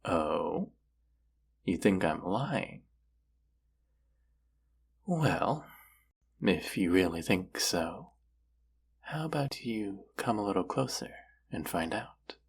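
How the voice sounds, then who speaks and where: Man acting a husky, very gravelly young romantic crush. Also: big pitch swings, exaggerated voice. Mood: playful, teasing. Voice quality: husky, breathy, gravelly low voice. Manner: slow, hushed, teasing, trailing pauses. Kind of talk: intimate romantic audio roleplay.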